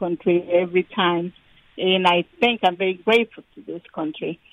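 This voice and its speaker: A woman speaks at a medium pitch with a Guatemalan accent. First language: Spanish. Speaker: guest, immigrant and mother. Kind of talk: interview telling personal story. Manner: halting, hesitant.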